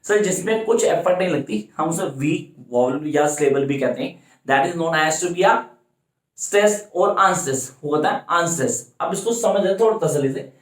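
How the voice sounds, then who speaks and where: A man with a fairly high voice giving an exam-prep lecture. He asks questions as if from his students and answers them himself, slowing down to repeat key phrases. The recording carries a clear room echo. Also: animated. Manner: repeats key English phrases slowly for emphasis. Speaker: teacher.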